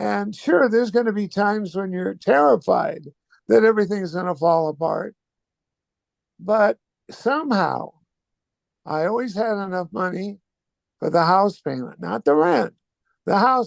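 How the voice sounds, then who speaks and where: Lively intonation and long, frequent pauses shape a man's high voice with an American accent. He speaks at a moderate pace, with a dry, close sound and no echo. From Northern California. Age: 70s. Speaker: blues musician. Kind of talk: interview. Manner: halting.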